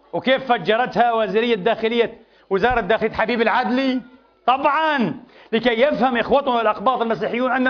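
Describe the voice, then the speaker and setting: Fiery male preacher, high voice, rapid emphatic delivery, dull lo-fi mosque recording. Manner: impassioned, emphatic, repetitive rhetoric. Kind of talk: Friday sermon.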